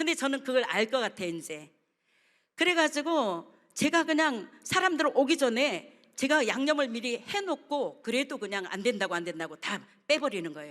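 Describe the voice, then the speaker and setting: A woman speaks at a high pitch with very wide swings in her intonation, recorded very cleanly against a silent background. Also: moderate pace. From South Korea. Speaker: pastor. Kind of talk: testimony sermon. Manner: loud; animated.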